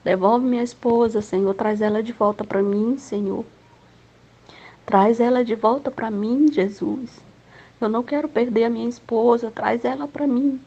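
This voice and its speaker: A woman's voice: fairly high pitch, steady tone, normal speed, creaky, mellow. A woman voicing her frightened husband as he pleads tearfully with her to wake up, in a dull, slightly lo-fi recording. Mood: tearful pleading. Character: frightened husband pleading with his unresponsive wife. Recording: dull lo-fi with faint noise.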